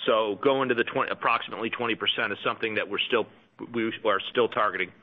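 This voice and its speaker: A man speaking as a company executive, explaining things to analysts on an earnings call in halting phrases. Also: on the low side. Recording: thin phone-line conference audio.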